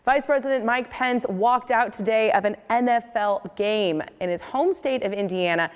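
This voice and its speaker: A woman's voice: on the high side, moderate pace, clear, resonant tone, in a large hall. A woman with an American accent reading a scripted local television newscast as the anchor.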